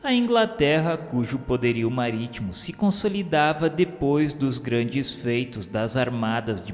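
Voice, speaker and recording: A Brazilian man narrates a radio serial with solemn, declamatory formality. His pitch is average and his pace is slow and measured. The voice rings with long reverb over clearly audible instrumental music. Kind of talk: solemn scripted audiobook-like narration of a literary text.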